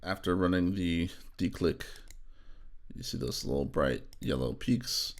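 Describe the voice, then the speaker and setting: A man narrating a software tutorial as an audio engineer, informal and thinking aloud as he demonstrates. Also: low-pitched, expressive, a little slow, gravelly, slight background noise. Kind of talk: casual screen-recorded tutorial narration.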